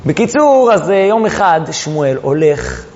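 High-voiced man teaching religious texts. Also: slight background noise. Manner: animated, drawn-out emphasis, storytelling. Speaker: Torah teacher. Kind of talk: religious text lesson. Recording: dull recording in echoing hall.

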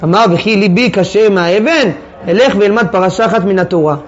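Reading sources to his class and then unpacking them in plain, everyday language, this man leads a Torah text-study lesson. His voice sits high, and the sound is lo-fi.

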